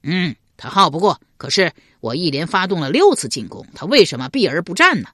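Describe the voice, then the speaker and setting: A woman voicing a scheming tribal king in a spoken historical novel, blustering and quick to exclaim. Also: fairly low pitch, big pitch swings, a bit bright, slightly rough, dry recording, clean studio sound, full character voice. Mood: eager.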